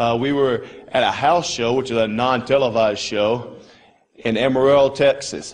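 A normal speaking voice from a man, medium-pitched and fairly even in intonation, at a moderate pace. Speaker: pro wrestler. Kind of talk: wrestling promo answering a fan question. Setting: TV segment. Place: studio. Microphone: lapel.

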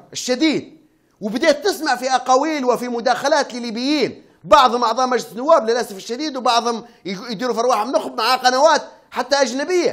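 A man talks loudly at a moderate pace, his pitch extremely high, with ordinary pitch variation. His tone is animated against a quiet background. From Libya. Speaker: political analyst. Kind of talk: TV political talk show interview. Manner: loud, raised voice. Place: studio. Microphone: lapel.

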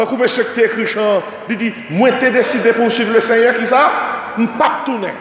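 A man with an extremely high pitch and fairly even intonation speaks fairly slowly with long, frequent pauses, amid noticeable background noise and audible room echo. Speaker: pastor. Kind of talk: sermon.

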